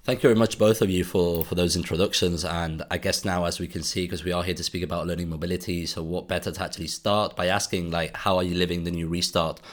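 Male podcast co-host; very deep voice, rapid delivery, easygoing questions. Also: steady tone. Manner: quick, conversational. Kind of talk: podcast moderation.

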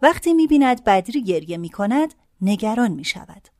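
A woman narrating stage directions in a calm, even scripted reading. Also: on the high side, no echo, studio quality.

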